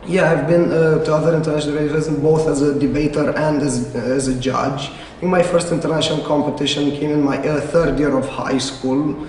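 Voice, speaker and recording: A man's voice: on the high side, fairly even intonation, a little mellow, slight background noise. A young man working as a debate judge, answering questions casually with many filler sounds. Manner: lots of uh fillers, quick bursts. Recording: echoey hall, mic at a distance.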